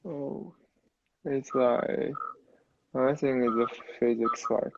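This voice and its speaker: A young man from China with a Mandarin Chinese accent, a native Mandarin speaker answering interview questions as a university student in halting, non-native phrasing. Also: medium pitch, fairly even intonation, muffled recording, noisy background. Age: young adult.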